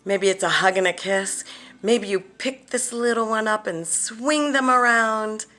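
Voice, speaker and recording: A woman leading a guided visualization, speaking gently and deliberately with long pauses and some softly breathed phrases. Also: mid-range voice. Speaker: guided meditation leader. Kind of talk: guided visualization, soothing meditation narration.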